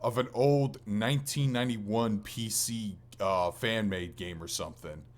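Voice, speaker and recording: Low-pitched man chatting about games. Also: unhurried. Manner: enthusiastic, colloquial slang and mild swearing. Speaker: podcast co-host. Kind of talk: casual gaming podcast chat.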